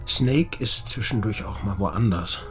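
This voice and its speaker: Radio play role: man as a mysterious, unruffled bartender, very low voice, few words, matter-of-fact. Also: measured pace, soft background music, lightly acted. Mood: calm, laconic. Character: laid-back, enigmatic male barkeeper of a dreamlike bar. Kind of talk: naturalistic radio drama acting.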